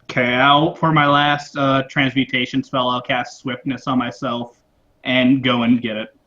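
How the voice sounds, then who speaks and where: A man's voice: medium pitch, flat delivery, a little slow, pushed and bright. A man playing a tabletop game character, talking casually and a little sheepishly. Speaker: player. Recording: dull lo-fi mic.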